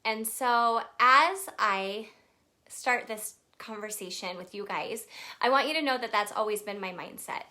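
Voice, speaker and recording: Young woman from texas chatting on a live stream, kinda high bright voice, lots of um and like. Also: unhurried. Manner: chatty, with many fillers, greeting viewers mid-story. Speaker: makeup brand artist hosting a live video. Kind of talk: casual live-stream storytelling.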